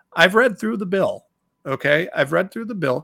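With an American accent, a man's voice swings very widely in pitch, recorded dry and close with no echo in a very clean recording against a silent background. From Ohio. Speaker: podcast host. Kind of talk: solo commentary monologue. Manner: animated, repetitive.

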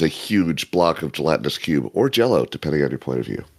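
Very deep and low, this man's voice carries vocal fry at a moderate pace. His pitch swings very widely. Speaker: tabletop RPG player. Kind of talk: casual tabletop RPG actual play, in-character play-by-play. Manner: halting, with many filler words.

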